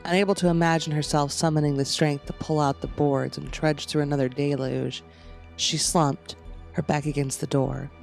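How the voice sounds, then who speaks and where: Male fiction narrator, slightly high pitch with noticeable fry, scripted horror prose, light music underneath. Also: little pitch movement, moderate pace.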